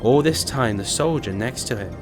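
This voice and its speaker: A man's voice: mid-range voice, lively intonation, normal speed, over music. A man reading a dramatic audiobook as narrator, in scripted storytelling style.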